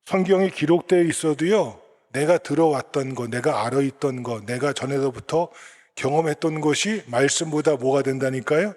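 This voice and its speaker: A man's voice: a little high, moderate pace, darkish tone, big-room sound. A male pastor with a Gyeongsang accent preaching a sermon and quizzing the congregation with repeated questions. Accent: Gyeongsang Korean.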